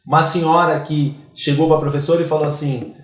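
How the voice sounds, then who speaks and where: A man's voice: a little high, fairly even intonation, brisk. A man with a Santos Brazilian Portuguese accent explains things as an interview guest, emphatically, often posing questions and answering them himself. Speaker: interview guest, fitness coach and gym owner. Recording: roomy, echoing interview sound.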